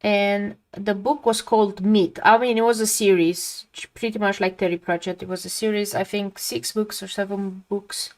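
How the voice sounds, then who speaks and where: A woman's voice: medium pitch, fairly even intonation, moderate pace, few pauses, a little mellow. A woman from Romania, speaking English as a second language, chatting casually and reflectively while she paints on a live stream, often trailing off mid-sentence.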